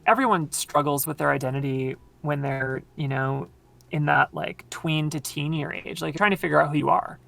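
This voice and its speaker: A woman with a very low voice, explaining at length in casual conversation with many fillers, her voice tired from long talking. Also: normal speed, vocal fry, a bit bright. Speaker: podcast guest.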